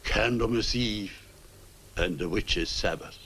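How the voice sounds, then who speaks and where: An actor playing a weary, blind old clergyman, husky, grave and formal, in a 1960s horror film. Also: on the low side, slow pace, a bit bright, full character voice. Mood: grave, foreboding.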